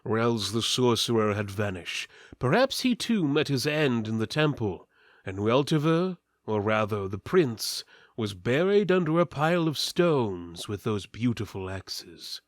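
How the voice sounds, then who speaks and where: A man's voice: medium pitch, big pitch swings, a little slow, dry recording, clean studio sound. A man giving a portentous, mock-serious dramatic reading of an epic fantasy story. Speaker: narrator, reader.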